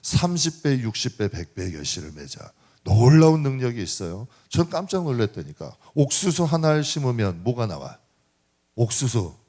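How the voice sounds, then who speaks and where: A middle-aged man preaches a sermon as pastor in a church sanctuary, addressing the congregation in a lively, conversational manner and asking frequent rhetorical questions. He speaks at normal speed with a medium-pitched voice.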